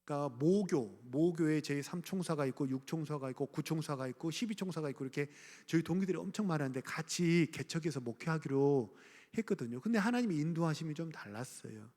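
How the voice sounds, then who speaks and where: A man's voice: on the high side, animated, fast, darkish tone. A middle-aged man from Gwangju preaching a sermon as pastor, speaking conversationally, asking the congregation questions and chuckling. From Gwangju, South Korea. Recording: church hall reverb.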